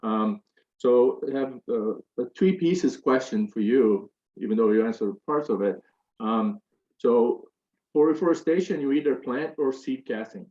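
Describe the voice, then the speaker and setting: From the audience at a panel, a man asks a long, hesitant question full of fillers and restarts. His mid-range voice is expressive, a little slow and dark in tone. The room audio is roomy and dull.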